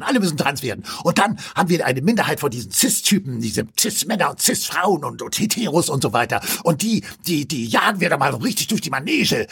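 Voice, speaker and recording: A man doing mock-earnest, rambling satire in a deadpan manner. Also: a little high, gravelly, husky. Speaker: satirical comedian. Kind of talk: mocking parody of interviews.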